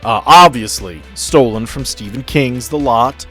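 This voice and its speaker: A man's voice: medium pitch, unhurried, sharp tone, soft background music. A man narrating as game master on a tabletop roleplay podcast, talking conversationally and addressing his players directly.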